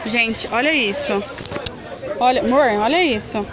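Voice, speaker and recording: Brief: young Brazilian woman, shopping vlogger, lively and chatty, fairly high voice, busy market crowd behind. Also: a little slow, background noise. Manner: chatty, enthusiastic, addresses viewers as "gente". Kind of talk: casual vlog, showing products. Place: indoors at a busy market shop.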